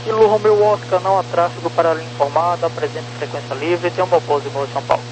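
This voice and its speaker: A man's voice: on the high side, steady tone, rapid-fire. A Brazilian man working as an approach controller, speaking in clipped, businesslike air traffic control radio phrases over a transmission. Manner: formulaic, businesslike. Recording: noisy aviation radio with hum.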